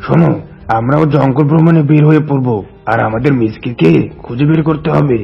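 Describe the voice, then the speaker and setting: A man voicing a worried lion king of the jungle in a cartoon, with a gravelly voice. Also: fairly high pitch, brisk. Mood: worried, resolute. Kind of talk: cartoon voice acting. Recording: dull lo-fi audio, music behind.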